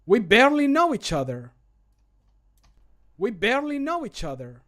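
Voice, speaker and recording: A man's voice: very high-pitched, wildly swooping pitch, moderate pace, fairly bright tone, pitched above the performer's own voice, exaggerated voice. A man voicing a scared adventurer pleading in short theatrical lines for a game mod. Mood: dramatic.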